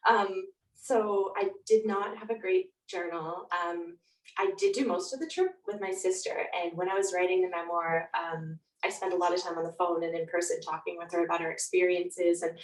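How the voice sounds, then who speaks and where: A woman's voice: on the low side, moderate pace. Woman, informal reflective storyteller, roomy sound, away from the mic. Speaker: guest author. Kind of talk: casual conversational interview. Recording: roomy echo, distant from mic.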